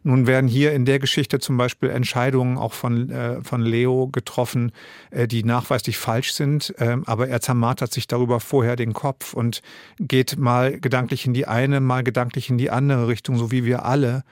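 German guy in his 50s, thinks out loud, lots of ums and restarts, very dry close sound. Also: medium pitch, little pitch movement, normal speed, no room sound. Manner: thoughtful, many hesitations and restarts. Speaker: radio drama director and author. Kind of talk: interview answers.

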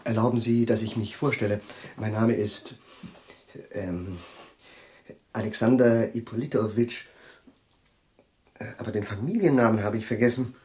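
A man's voice: on the low side, moderate pace, pauses often, a little mellow, close to an everyday voice. A man playing a fumbling, absent-minded old professor. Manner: hesitant, fumbling for words. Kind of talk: radio play acting.

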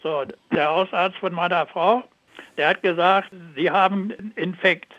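A man's voice: sits high, fairly even intonation, moderate pace, dry recording. A man calling a phone-in, chatting casually about his complaints and questions over a telephone line. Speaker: phone-in caller.

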